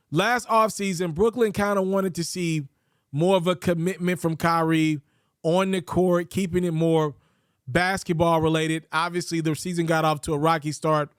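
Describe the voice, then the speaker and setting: Quick-talking man with a high voice. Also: no echo, clean studio sound. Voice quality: a little raspy. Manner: quick, opinionated, conversational. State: just had wisdom teeth pulled. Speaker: sports commentator. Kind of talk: casual sports commentary.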